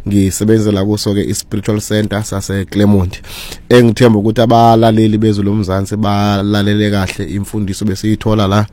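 A man's voice: lowish voice, little pitch movement, fairly quick, dark tone. A South African man speaking as a spiritual guest on the radio, greeting listeners formally and reciting long lists of names and praise names before teaching.

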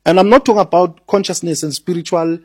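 A man with a high, husky voice teaches earnestly as a studio guest on the radio. He repeats words as he builds each point and mixes in Zulu phrases, and the sound is close and dry. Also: fast, a little mellow, no echo.

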